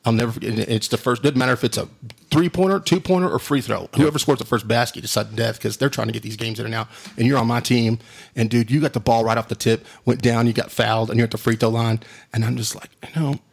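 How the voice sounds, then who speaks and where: A middle-aged man with a drawl tells stories in a booming voice that has a husky grain. He is animated and laughs easily, and he drops "dude" into almost every sentence. He speaks at a medium pitch for a man. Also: fast talker. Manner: animated, laughs often, says "dude" a lot. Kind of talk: casual storytelling chat.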